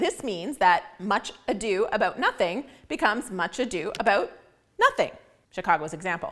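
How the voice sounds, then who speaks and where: This speaker has a Canadian accent and a moderate pace. The pitch swings very widely. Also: woman, fairly high pitch for a woman. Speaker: book publishing company founder. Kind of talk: educational video talk.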